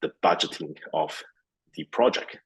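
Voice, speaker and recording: A man's voice: extremely low pitch, huge pitch swings, unhurried, gravelly, husky, low-quality recording. A man in his thirties from Malaysia, answering interview questions at length, with many restarts. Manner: rambling, with many restarts and fillers. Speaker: guest, fund CEO.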